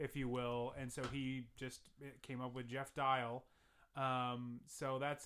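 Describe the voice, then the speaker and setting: A man speaks with a normal speaking voice. His pitch is fairly high. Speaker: podcast host. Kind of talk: casual chat; mock wrestling ring announcer intro.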